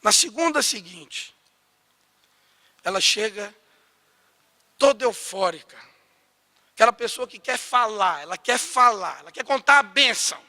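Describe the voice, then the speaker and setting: A man's voice: high-pitched, animated, measured pace, pauses often, pushed and bright. A male pastor preaching a storytelling sermon, acting out dialogue and building to emphatic exhortation. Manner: acts out quoted dialogue, rising to emphatic exhortation.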